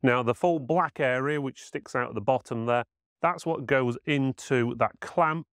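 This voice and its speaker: A man's voice: mid-range voice, unhurried, fairly bright tone, clear, resonant tone, no echo, studio quality. A man giving a casual, matter-of-fact hands-on product demonstration as a reviewer.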